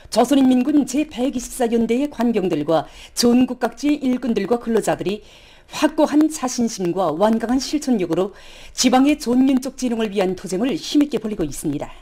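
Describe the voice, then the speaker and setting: A woman's voice: on the high side, warm tone. A woman with a North Korean accent reads formal scripted television news in an earnest, declamatory manner. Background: music.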